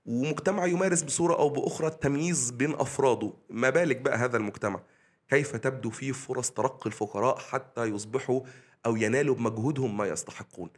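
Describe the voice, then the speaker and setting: A man's voice: mid-range voice, quick pace, slightly rough. A man with an Egyptian accent, arguing a point in a casual podcast discussion and explaining it with figures. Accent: Egyptian Arabic. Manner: argumentative, explaining with statistics. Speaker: discussion participant.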